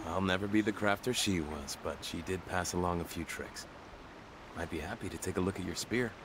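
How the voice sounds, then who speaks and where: An actor playing a gentle, grateful tribal father in a video game, speaking in an earnest, measured way. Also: low voice, noisy background, lightly acted. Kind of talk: video game dialogue acting.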